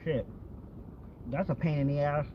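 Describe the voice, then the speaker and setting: Speaking a little slowly in a slightly high voice, an American vlogger chats candidly and casually, rambling along with frequent swearing and repetition. The recording is dull lo-fi audio with vehicles audible in the background.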